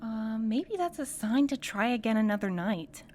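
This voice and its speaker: A woman's voice: on the high side, animated, moderate pace, a little mellow, a little hiss or hum, close to an everyday voice. A woman acting in an audio drama as a loyal but uneasy companion with a sardonic, questioning manner. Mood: sardonic, nervous.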